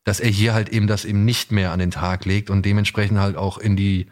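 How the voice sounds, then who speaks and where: A man's voice: on the low side, little pitch movement, brisk. A man hosting a podcast in a casual, colloquial chat, sometimes acting out imagined quotes. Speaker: podcast host.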